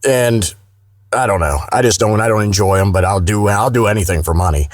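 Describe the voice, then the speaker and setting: A man with a low voice chats casually as an interview guest on a podcast. He is candid and salty-tongued, and the sound is dry and close. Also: a little fast, dry recording. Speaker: guest voice actor.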